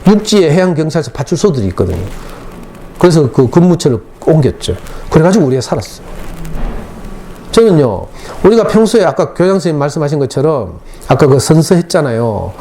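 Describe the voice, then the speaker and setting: Middle-aged man, Gyeongsang accent, parent-ed lecturer; talks fast with a dark, mellow voice and faint background noise. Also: a little high, very animated. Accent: Gyeongsang Korean. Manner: emotional storytelling, dialect speech. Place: school lecture hall.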